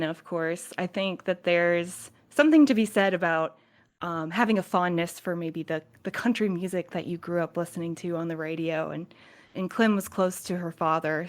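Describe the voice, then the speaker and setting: Playful woman in casual podcast chat. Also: on the low side. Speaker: podcast cast member.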